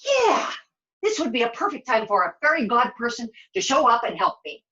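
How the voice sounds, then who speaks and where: A woman's voice: fairly high pitch, sing-song, fairly quick, bright, forceful tone, highs cut off. A woman voicing a dramatic, whiny, naive young servant girl in a puppet show, flustered and repeating herself. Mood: wistful. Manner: melodramatic, repetitive, flustered.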